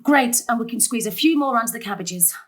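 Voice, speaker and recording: A woman playing a brisk, long-suffering middle-aged mother in an audio drama, prim and organising. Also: a little high, lively intonation. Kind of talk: stage-thriller audio drama acting.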